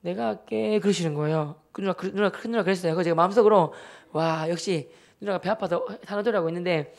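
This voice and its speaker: Man, Gyeongsang accent, church deacon, lively storytelling, acts out voices. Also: high-pitched, fast talker. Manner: animated storyteller who acts out family members. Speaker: church deacon giving a talk. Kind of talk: lively testimony talk.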